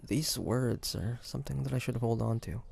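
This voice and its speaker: A man playing an earnest, guilt-ridden demon hunter in an audio roleplay, speaking gently and haltingly to the listener. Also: mid-range voice, vocal fry, slightly rough. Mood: reflective, remorseful. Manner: hesitant, halting, soft-hearted delivery with pauses. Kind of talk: dramatic audio roleplay acting addressed to the listener.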